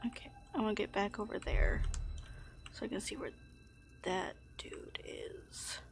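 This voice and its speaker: A woman's voice: mid-range voice, brisk, gravelly, music in the background. Wry woman gamer, half-whispering. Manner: drops to a half-whisper while sneaking, wry quips. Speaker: gaming channel host. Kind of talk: let's play commentary.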